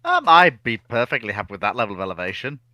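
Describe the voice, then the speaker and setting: A man's voice: mid-range voice, huge pitch swings, fast talker, sharp tone, dry recording, clean studio sound. A man discussing history informally and analytically as a guest on a chat show.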